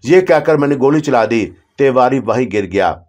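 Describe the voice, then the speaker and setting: A man reading a first-person horror story aloud in a steady, dramatic manner. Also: mid-range voice, moderate pace.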